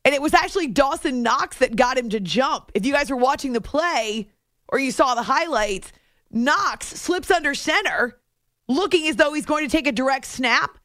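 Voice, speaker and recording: Female sports radio host, fairly high pitch, animated conversational monologue, dry studio sound. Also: normal speed, dry recording. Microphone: close studio microphone.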